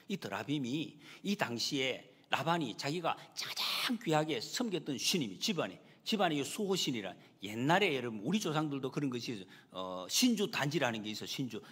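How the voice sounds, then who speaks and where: A male pastor preaches with a lively, rising and falling delivery, and his slightly husky voice rings through a church with a long, trailing reverb. He bursts into raised, acted-out lines when he voices the people in his story. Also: on the high side. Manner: animated, acts out quoted lines with raised voice. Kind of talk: sermon. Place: church sanctuary.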